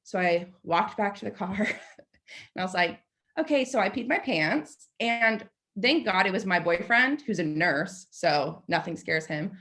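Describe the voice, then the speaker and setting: A young woman from the United States tells a story on a podcast. Her pitch swings up and down, and she talks loosely, scattering "like" through her sentences. Her voice sits at an ordinary middle height. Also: unhurried. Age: 20s. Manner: chatty, animated, lots of "like" fillers. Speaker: podcast guest. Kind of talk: casual storytelling.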